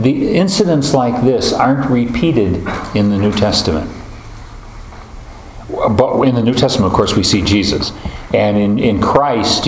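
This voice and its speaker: A man leads a Bible study discussion in an echoey room, his voice sitting on the lower side. He talks in a halting, thoughtful way, full of restarts and fillers, and a faint background hum sits under him. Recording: roomy echo, faint ambience.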